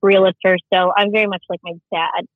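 A woman's voice: medium pitch, flat delivery, moderate pace, no room sound. A woman in her thirties, a shop owner whose first language is Tagalog, chatting as an interview guest with many "um"s. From Arizona, USA. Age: 30s. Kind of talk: casual interview chat. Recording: tinny phone-line audio.

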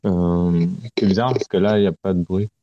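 A man from Romania, a guest speaking in a halting way and searching for words, heard over a remote call connection. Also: sits low, fairly even intonation, warm tone, no echo. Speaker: artist guest. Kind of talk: casual interview talk. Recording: dull lo-fi call audio, dry.

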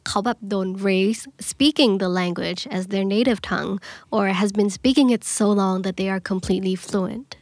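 A woman's voice: mid-range voice, extremely slow, hardly any pauses, a little mellow, no echo. A woman co-hosting a podcast, reading definitions aloud and chiming in with agreement. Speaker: podcast co-host. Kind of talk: casual chat, short affirmations.

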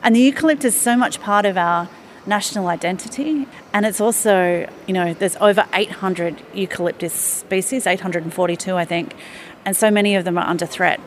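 A woman, a museum chief executive answering radio interview questions in a measured, enthusiastic way with small fillers. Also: mid-range voice, slight background noise.

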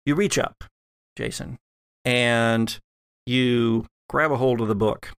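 A man's voice: mid-range voice, steady tone, takes it slowly, a bit bright, clear, resonant tone, no echo. A man narrating a tabletop horror game as game master.

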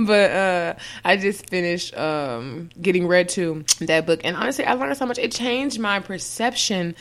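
A young woman co-hosting a podcast in casual chat, loose and profane and laughing often, her voice a little raspy after choking. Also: fairly low pitch, lively intonation, measured pace. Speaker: podcast co-host.

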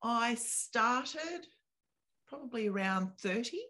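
A woman in her late fifties speaks as a podcast guest. She talks in an earnest, reflective, unhurried way. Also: a little high, expressive, sharp tone. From Australia. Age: 50s. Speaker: property consultant. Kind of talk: interview guest.

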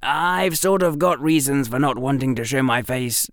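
A man doing a calm, clever young boy. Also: medium pitch, normal speed, no room sound, clean studio sound, pitched above the performer's own voice, close to an everyday voice. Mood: calm reasoning. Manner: reasoning, matter-of-fact. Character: clever calm eleven-year-old boy.

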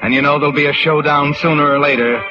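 An actor playing an ominous, knowing storyteller, narrating old radio suspense in an insinuating, dramatic way. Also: male voice, a little high, steady tone, fast, lightly acted. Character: ominous, knowing male storyteller addressing the doomed woman. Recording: dull vintage radio recording. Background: dramatic music.

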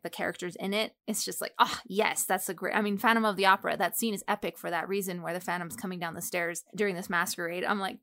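A woman co-hosting a casual book discussion, giving analytical, animated opinions. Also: medium pitch, no room sound. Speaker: podcast co-host.

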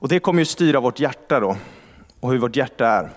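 A man's voice: mid-range voice, expressive. Man preaching in a reverberant church. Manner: conversational, rhetorical questions, quoting scripture slowly. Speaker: pastor. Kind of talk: sermon. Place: large church hall.

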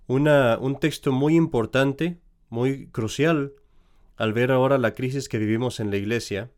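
A priest in mid-range voice reads the epistle and gospel in a slow, solemn cadence. He then moves into a sermon, steady and earnest, with small slips and restarts. His voice sits at an ordinary pitch for a man. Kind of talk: sermon with scripture reading.

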